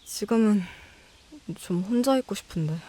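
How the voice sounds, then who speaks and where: A woman's voice: medium pitch, lively intonation, normal speed, warm tone, husky. A woman acting an anxious, wistful young woman afraid of loss in an audio drama. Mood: hurt, fearful.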